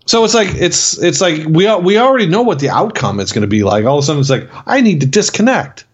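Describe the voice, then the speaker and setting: A man's voice: on the high side, sing-song, fast, husky. A man co-hosting a movie review podcast, talking in a rambling, profane way with many restarts. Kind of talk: casual chat. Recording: dull lo-fi sound.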